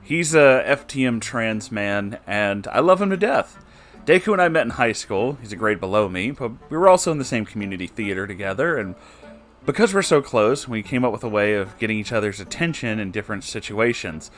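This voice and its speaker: A man narrating a story as a host, in an expressive, jokey and casually sweary way with offhand asides. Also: on the low side, fairly quick, soft background music. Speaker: host reading submitted stories aloud.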